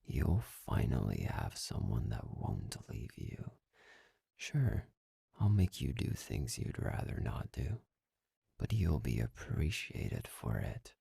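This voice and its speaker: A man performing an arrogant, cold master in an ASMR roleplay. His voice is extremely low and heavily creaky, with a breathy edge that slips into whispers. He speaks slowly and condescendingly, as if every word were a command. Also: mellow, no echo, studio quality, full character voice. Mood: mocking, possessive. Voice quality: breathy, gravelly, often dropping into whisper. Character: arrogant, domineering young male master, cold and mocking. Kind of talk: intimate ASMR roleplay monologue.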